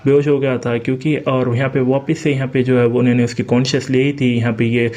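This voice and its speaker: A man with an Indian Hindi accent and a mid-pitched voice narrates a comic story in an easy, chatty way. He reads every character's lines in his own plain voice and fills the gaps with lots of filler words. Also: little pitch movement, fast, a little mellow. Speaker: manhwa recap narrator. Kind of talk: casual storytelling recap.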